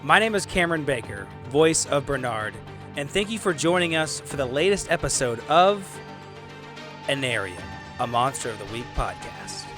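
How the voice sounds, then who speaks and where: A man's voice: medium pitch, sing-song, normal speed, music in the background. A man hosting and playing on a casual tabletop roleplay podcast, talking in an informal, jokey way. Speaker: podcast host and player.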